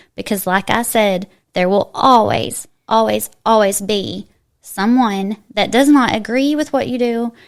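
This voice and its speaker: With a Southern Appalachian accent, a woman speaks in a fairly high pitch with fairly even intonation, on a very clean recording with a silent background. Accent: Southern Appalachian twang. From Eastern Kentucky. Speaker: actor and life coach. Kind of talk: interview answer.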